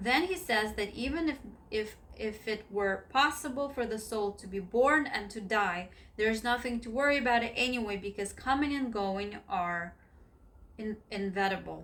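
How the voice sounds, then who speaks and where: A woman with a fairly high pitch and a non-native accent at a moderate pace. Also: ordinary pitch variation. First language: not English. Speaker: spiritual book reader, health practitioner. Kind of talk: reading aloud; casual aside. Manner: halting, stumbles over words.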